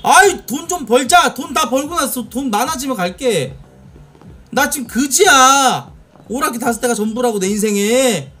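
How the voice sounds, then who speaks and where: A man in his thirties live-streaming a game from a small room, talking casually, swearing a lot and yelling at slot machine wins. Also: very high-pitched, normal speed. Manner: swearing, excitable, shouts at wins. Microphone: desk mic in gaming chair, webcam framing.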